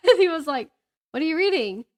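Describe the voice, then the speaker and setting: A woman's voice: sits high, animated, normal speed. A woman in her thirties chatting casually about books as a podcast co-host, giggly and gushing. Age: 30s.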